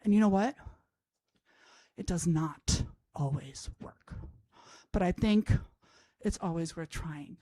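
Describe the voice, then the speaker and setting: A woman's voice: lowish voice, takes it slowly, long pauses, dark tone, no room sound, studio quality. A woman in her fifties from Austria, a language professor telling a humorous personal story on stage to an audience, wry and self-mocking. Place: college event stage before an audience.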